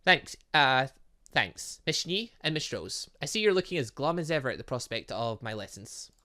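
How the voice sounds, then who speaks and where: A man's voice: medium pitch, very animated, moderate pace, bright, forceful tone. A man voicing an eccentric, teasing female science professor who talks in formal, flowery phrases. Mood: dry teasing. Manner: flowery, formal phrasing full of odd metaphors.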